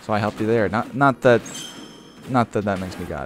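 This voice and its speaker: Noticeable background noise sits behind a man with an American accent. He speaks fairly quickly with lively intonation. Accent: Ohio accent, noticeable at times. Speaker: video game streamer. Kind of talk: casual live-stream commentary. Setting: home live stream, thunderstorm outside. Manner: casual, hesitant with fillers.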